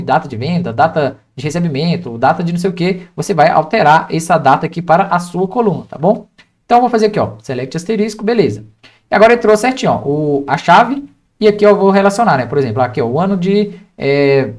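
A young man with a Brazilian accent giving an informal step-by-step software tutorial, often adding little checking tags as he explains. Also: sits high. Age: young adult. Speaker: data engineering instructor. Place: indoors at a computer, screen recording with webcam.

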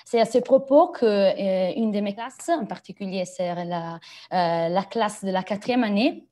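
A woman's voice: mid-range voice, measured pace, mellow. A young woman in French, a language teacher presenting informally on a video call. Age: young adult. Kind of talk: informal presentation at an online meeting.

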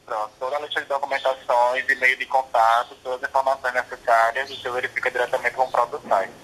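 A man's voice: medium pitch, little pitch movement, fast talker, pushed and bright, slight background noise, rough recording. A man with a Brazilian Portuguese accent, working as a call-center attendant, answers a customer in a polite, scripted, businesslike way, heard through a phone on speakerphone.

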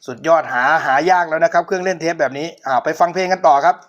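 Rapid-fire and a little high, a middle-aged man's voice comes through with lo-fi sound as he reviews an old cassette player for sale on his channel. He stays polite and keeps speaking directly to viewers in this casual demo.

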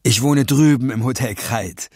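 A smooth middle-aged crook, put on by a male reader answers politely and lightly while lying. His voice drops low and hushed. The sound is dry and close. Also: unhurried, no echo, close to an everyday voice. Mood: sly. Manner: polite, offhand, lower and softer.

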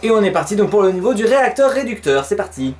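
A man's voice: high voice, very animated, quick pace, a little mellow. A man giving casual let's play commentary, chatty and peppering his talk with fillers, swearing when surprised. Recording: faint game music behind.

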